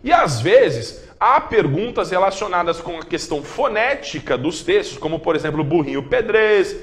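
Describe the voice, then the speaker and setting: Male tv teacher, high bright voice, playful and coaxing, lots of "ok?" check-ins. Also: big pitch swings, normal speed. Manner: playful, coaxing, with pet names for students; repeats checks like "ok?" and "beleza?". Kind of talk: televised exam-prep lesson.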